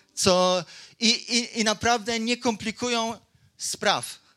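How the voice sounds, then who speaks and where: A man's raised, projected voice, bright and sharp in tone, at a fairly slow pace. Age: 50s. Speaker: pastor. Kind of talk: sermon. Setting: church hall with congregation. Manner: animated.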